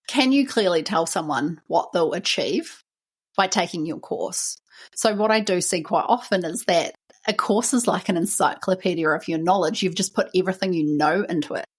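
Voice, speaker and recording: A New Zealand woman talks through her solo podcast episode in a chatty, encouraging way, often dropping in "you know." Her voice sits on the lower side and has a slightly husky edge. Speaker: podcast host.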